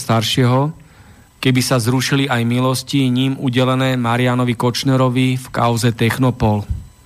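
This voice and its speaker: At a moderate pace, a man talks with monotone, flat intonation and a medium pitch. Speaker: radio host. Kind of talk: radio interview. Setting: studio.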